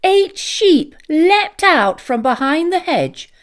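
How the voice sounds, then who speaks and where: A woman reading a children's story aloud as an expressive, deliberate, sing-song narrator. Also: very high voice. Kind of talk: animated scripted read-aloud narration for children.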